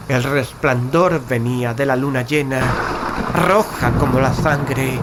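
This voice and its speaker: A man from reads a gothic horror tale as narrator, solemn and theatrical, with deliberate phrasing. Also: medium pitch, very noisy. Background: loud dramatic music bed.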